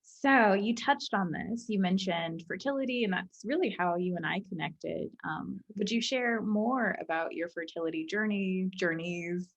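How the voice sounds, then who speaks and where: A woman hosting an interview who gushes warmly and effusively about her guest. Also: mid-range voice, moderate pace, vocal fry, few pauses, lo-fi sound. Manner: warm, gushing, effusive. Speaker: host. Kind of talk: casual interview chat.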